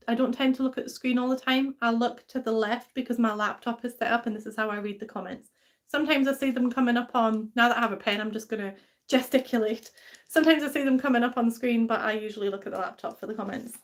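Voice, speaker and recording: A woman's voice: a little high, steady tone, fast. A young woman from England with a mixed English and Scottish accent, hosting a casual live stream and chatting with viewers in a rambling way, full of fillers. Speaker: livestream host. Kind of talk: casual live stream chat reading comments.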